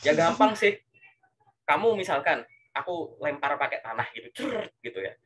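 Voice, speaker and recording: A man giving casual career coaching, animated and full of rhetorical questions and filler tags. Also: fairly high pitch, fairly quick, a little hiss or hum.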